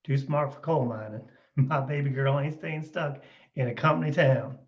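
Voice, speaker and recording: Dull, lo-fi sound on a tender young coal miner father played by a man in a drama table read. He speaks in a folksy rural way, gentle and doting, at a middle pitch. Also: lightly acted. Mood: proud, encouraging. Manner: folksy rural dialect, unhurried.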